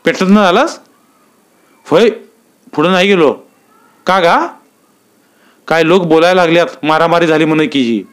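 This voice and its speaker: A man's voice: fairly high pitch, lively intonation, normal speed, pauses often, clean tone, pitched above the performer's own voice, close to an everyday voice. A man voicing anxious rural villagers with rustic, worried speech.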